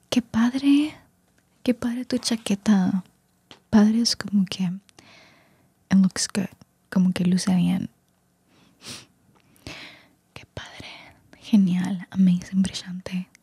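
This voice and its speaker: Woman whispering super close into a singing mic, slow and soft, dark mellow tone. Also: lowish voice, gravelly, husky, no room sound. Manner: soft whisper mixing in English words. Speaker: vlogger teaching slang. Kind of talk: whispered ASMR talk. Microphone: singing microphone close up.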